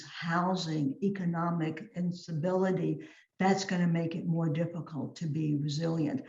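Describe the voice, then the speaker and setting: A woman's voice: fairly low pitch, a little mellow. A woman guest expert on an online panel, answering in an agreeable, explanatory way. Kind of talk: panel discussion. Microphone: video call. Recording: roomy, dull video call audio.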